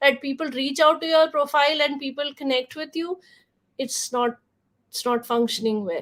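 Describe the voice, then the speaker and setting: In an Indian accent, a woman speaks at a moderate pace with a high pitch. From northern India. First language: Hindi. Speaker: LinkedIn coach. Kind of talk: webinar presentation. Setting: online live stream.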